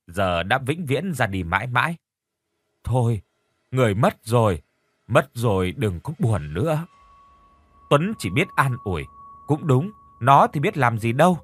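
A man narrating a horror audio story in a steady storytelling manner, acting out the characters' lines. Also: medium pitch.

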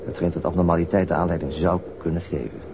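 Stern, low-voiced police interrogator. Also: male voice, steady tone, fast talker, noisy background. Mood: dry, muttering. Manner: clipped, formal, pressing questioning. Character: stern, methodical male police interrogator, dry and insistent. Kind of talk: radio crime drama acting.

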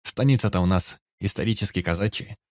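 A man reading a first-person story aloud in a steady, grave narrating manner. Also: low-pitched, a little fast, no room sound, studio quality. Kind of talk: audiobook narration.

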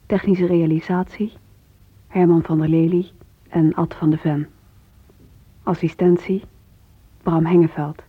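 A woman announcer with a husky voice, reading scripted radio credits in a measured way. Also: fairly low pitch, flat delivery, dry recording. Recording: narrow phone-like old radio recording.

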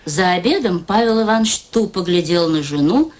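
A woman narrating a literary story in a radio play, in an expressive storytelling manner. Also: on the low side, a little fast, natural voice. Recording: radio play with music underneath.

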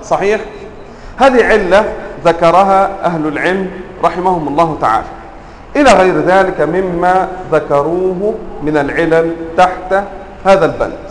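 A man teaching Arabic grammar to a class. He quizzes the students with frequent questions and drawls example words slowly for emphasis. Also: high-pitched, a little hiss or hum. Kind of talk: classroom lecture. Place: lecture room with students. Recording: roomy echo, faint ambience.

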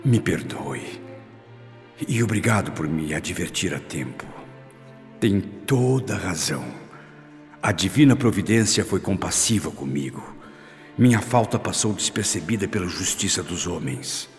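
Humble low-voiced father, very expressive. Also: a little slow. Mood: contrite. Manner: earnest, conciliatory. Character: humbled, repentant father restraining his anger. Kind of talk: radio soap opera acting. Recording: long reverb, music over voice.

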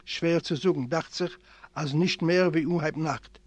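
A man, a native Yiddish speaker, reading a literary memoir aloud and giving the characters their own voices. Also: a little slow. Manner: expressive, voices characters with raised pitch. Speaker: audiobook reader. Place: library recording room.

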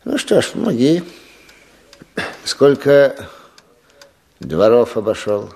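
An actor playing a weary, patient older village official in a Russian radio play, with an unhurried, avuncular, sighing manner. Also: male voice, mid-range voice, very animated, vocal fry, warm tone, heavily acted. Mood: patient, thoughtful.

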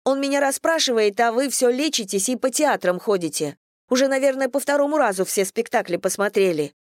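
A woman's voice: a little high, expressive, dry recording, clean studio sound, pitched above the performer's own voice, close to an everyday voice. A woman voicing a blunt teenage schoolgirl who complains to her mother in an audiobook. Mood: indignant. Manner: fast indignant grumbling.

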